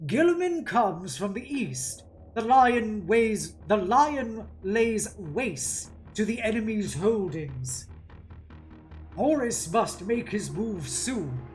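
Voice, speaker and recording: A woman voicing a grave, resolute male warrior commander in a solemn, deliberate, declamatory novel reading. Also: medium pitch, darkish tone. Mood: grim, resolute. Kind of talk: dramatic novel read-aloud.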